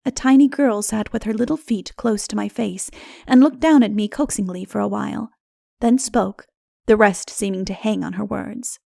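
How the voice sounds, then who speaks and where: A woman narrating a literary fantasy audiobook in a measured, dramatic storytelling manner. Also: mid-range voice, vocal fry, mellow, no room sound, studio quality.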